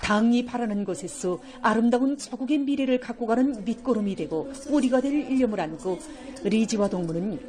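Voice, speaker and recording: A woman's voice: fairly high pitch, fairly quick, mellow, a faint crowd. A woman announcer with a North Korean accent reading scripted news in a formal, solemn declamatory manner. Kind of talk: scripted broadcast news narration.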